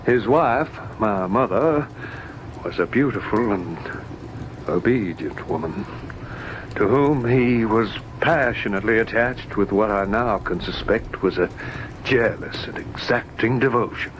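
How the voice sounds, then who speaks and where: An actor playing an irritable, brooding, wealthy invalid gentleman in an old-time radio drama, with measured, formal, theatrical delivery. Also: fairly low pitch, expressive, background noise. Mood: bitter, resigned.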